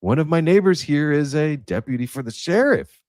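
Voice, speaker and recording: An anxious young man confessing, read out by a man in a halting, mock-dramatic way. The pitch is fairly high and moves around a lot, in a dry, close recording. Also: lively intonation, darkish tone, dry recording, lightly acted. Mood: worried, resigned. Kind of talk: mock-dramatic script reading.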